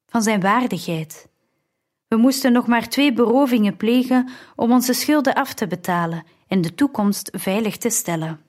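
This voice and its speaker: A woman reads a first-person story aloud in the style of an audiobook. Her pace is slow and deliberate, and her pitch sits at a middle level. The reading stays measured and reflective throughout. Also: a little mellow. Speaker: audiobook narrator.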